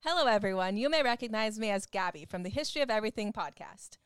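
A woman hosting a podcast in a scripted promo, with a bright, playful delivery. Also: mid-range voice, lively intonation, fast talker, smooth, dry recording.

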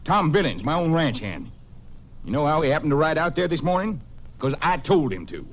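An actor playing a folksy, defensive Texas rancher in a 1950s western radio drama. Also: male voice, fairly high pitch, big pitch swings, brisk. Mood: indignant. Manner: folksy, hesitant explaining that turns indignant. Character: touchy, defensive Texas rancher, adult man. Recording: noisy old-time radio recording.

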